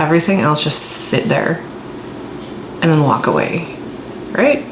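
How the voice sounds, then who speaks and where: A woman with a fairly low pitch is heard amid noticeable background noise and audible room echo. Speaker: truck driver and vlogger. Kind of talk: casual vlog talk to camera. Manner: slow; halting, many fillers.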